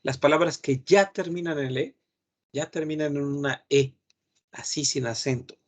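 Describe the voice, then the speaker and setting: A man's voice: on the high side, moderate pace. A man teaching a patient grammar lesson online, repeating each word and humming while he thinks. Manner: patient, repeats words several times, thinks aloud with hums. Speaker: French teacher.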